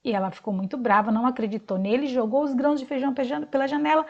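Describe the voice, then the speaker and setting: A Brazilian woman teaching a recorded video lesson to young children, speaking slowly in a sing-song teacher manner and clapping out syllables. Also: sits high, steady tone, darkish tone, lo-fi sound. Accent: Brazilian Portuguese.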